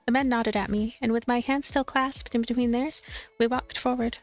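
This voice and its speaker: A woman's voice: a little high, fairly even intonation, moderate pace, faint music behind. A woman hosting a let's play, reading and narrating a visual novel.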